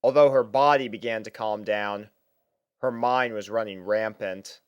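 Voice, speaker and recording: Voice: medium pitch, steady tone, a little slow, clear, resonant tone, no room sound, lo-fi sound. A storyteller reading scripted fiction narration. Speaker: storyteller, fan fiction reader.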